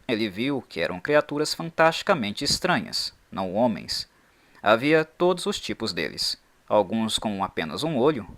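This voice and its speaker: A man hosting a channel, reading a scripted explainer in an expressive, emphatic way. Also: mid-range voice. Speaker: channel host.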